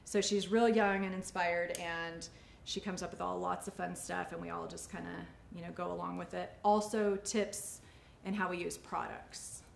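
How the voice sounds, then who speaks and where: A woman's voice: fairly low pitch, fairly even intonation, moderate pace, creaky, hardly any pauses. A woman in her forties, a salon owner, talking casually and chattily as she teaches during a demonstration. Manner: chatty, informal. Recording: echoey studio room, faint ambient noise.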